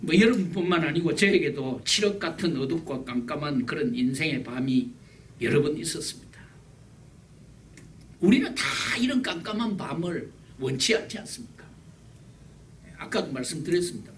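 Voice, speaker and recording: A man preaching a sermon, emphatic and repetitive, his loudness swinging widely. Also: on the high side, normal speed. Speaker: pastor. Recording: distant mic with faint background hiss.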